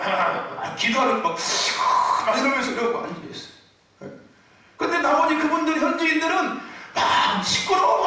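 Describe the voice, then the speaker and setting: A male pastor preaching a Sunday sermon with passion, often raising his voice and laughing as he tells his story. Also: very high-pitched. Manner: impassioned, often shouting and laughing mid-phrase. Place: church sanctuary. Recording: echoey church hall from far off.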